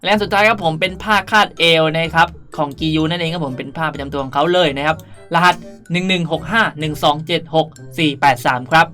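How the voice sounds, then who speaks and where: A man's voice: a little high, bright, forceful tone. A man hosting a casual game tutorial, chatting politely and often addressing his viewers. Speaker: video creator and host. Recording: music behind the voice. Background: music.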